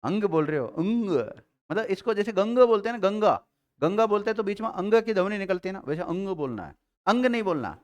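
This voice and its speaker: A man teaching Hindi grammar to a live class, drilling students and repeating letters slowly, with a Rajasthani Hindi accent. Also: sits high, lively intonation, a little mellow.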